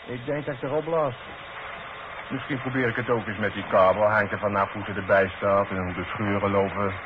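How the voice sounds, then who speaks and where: A man's voice: lowish voice, steady tone, fairly quick, close to an everyday voice. Casting: man as brash, cocky young workman who needles his elders, vintage radio play, muffled and noisy. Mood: confident. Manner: brash, mocking, jovial. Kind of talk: 1960s Dutch radio drama acting.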